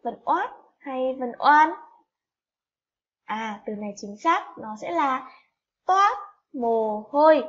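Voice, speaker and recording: A woman's voice: high voice, lively intonation, slow, long pauses, fairly bright tone. A woman primary school teacher, leading a spelling lesson for young children, stretching out each sound and asking the class coaxing questions. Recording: slightly dull lo-fi recording.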